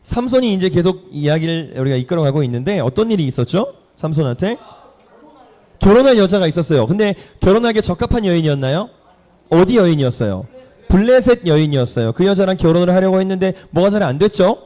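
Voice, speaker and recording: A man preaching to teenagers in a lively way, putting questions to his listeners. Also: high voice, fast talker. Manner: lively, quizzes the audience. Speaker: youth pastor. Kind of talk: sermon to teenagers. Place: church hall.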